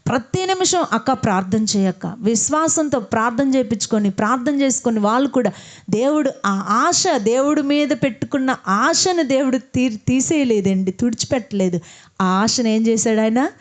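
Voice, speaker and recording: High-voiced woman preaching a sermon. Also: normal speed. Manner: asks the congregation questions and answers them herself; leads the congregation in prayer.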